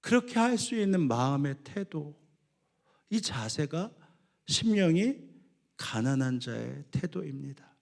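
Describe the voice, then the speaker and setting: A male pastor delivers a sermon in a high, gravelly voice. He climbs to fervent, loud cries, then sinks to low, quiet passages. The delivery is emphatic and earnest. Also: big pitch swings, measured pace, pauses often. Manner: rising to impassioned shouts when voicing biblical cries, then dropping low and soft.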